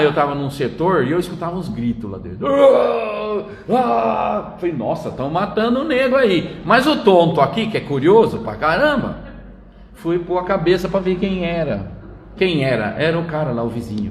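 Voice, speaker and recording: Older São man, lively storytelling. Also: medium pitch, slight background noise. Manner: chatty storyteller, tags lines with "né?". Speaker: spiritist lecturer. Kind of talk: informal spiritual talk with anecdotes. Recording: roomy echo.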